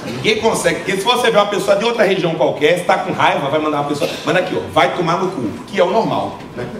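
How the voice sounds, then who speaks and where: A man in his thirties with a Northeastern Brazilian accent doing an animated stand-up set into a handheld mic, acting out quoted voices. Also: sits high, racing, far from the mic, background noise. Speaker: stand-up comedian. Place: theater stage before a live audience. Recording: roomy theater sound with loud laughter.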